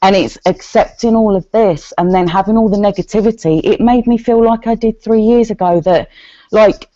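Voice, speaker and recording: A woman with a deep voice, sharing a candid personal testimony with a group and acting out the words of people in her story. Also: no echo, dull audio. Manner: earnest, quotes others' words in lively bursts.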